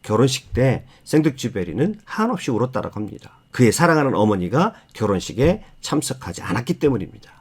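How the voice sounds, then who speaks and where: A man giving an explanatory, storytelling lecture on literature, speaking in measured, emphatic phrases with polite endings. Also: medium pitch, sing-song, husky. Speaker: book narrator and lecturer.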